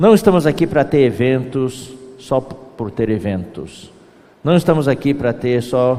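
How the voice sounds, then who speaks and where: A man with a medium pitch talks at a moderate pace in an unremarkable speaking voice. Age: 60s. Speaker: pastor. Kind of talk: sermon.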